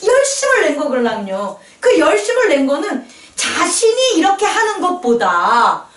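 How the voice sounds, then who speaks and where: A woman pastor preaches with a high, lively voice that swings up and down. She acts out little quoted voices and laughs between points. Her voice is picked up from a distance and rings around an echoey church hall. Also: moderate pace. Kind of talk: sermon.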